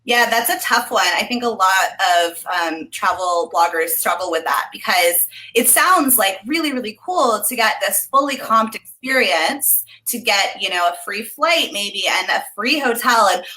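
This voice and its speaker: A woman's voice: mid-range voice, animated, a little slow, few pauses, bright, forceful tone, poor audio. A young woman, a travel blogger, giving casual advice on a video call with frequent ums. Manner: chatty, upbeat, frequent ums. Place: home room indoors. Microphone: video call webcam.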